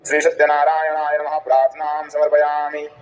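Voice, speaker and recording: A man's voice: a little high, completely flat delivery, normal speed, muffled recording. A man reciting Sanskrit ritual chants as a Hindu priest.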